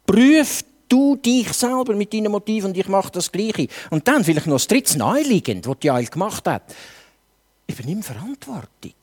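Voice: medium pitch, very animated, moderate pace, darkish tone. A preacher with a Swiss German accent, delivering a sermon with earnest rhetorical questions addressed straight to the listeners.

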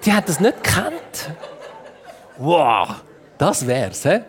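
Brief: male children's preacher, Swiss German accent, slightly raised voice, animated storytelling with questions to the kids. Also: high-pitched, normal speed. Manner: playful, asks the audience questions. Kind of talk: lively storytelling sermon for children.

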